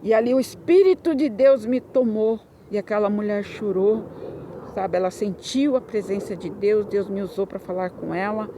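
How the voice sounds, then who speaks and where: A woman's voice: medium pitch, normal speed, noisy background. A woman with a Brazilian Portuguese accent giving a Christian testimony, telling her story in an emotional, repetitive way that rises into fervent bursts.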